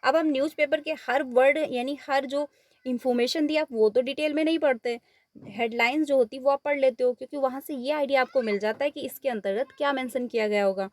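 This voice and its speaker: A woman's voice: high-pitched, fairly quick, dry recording. A woman teacher, walking through exam questions step by step, mixing English words into her Hindi and repeating the answers. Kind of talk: exam paper walkthrough lesson.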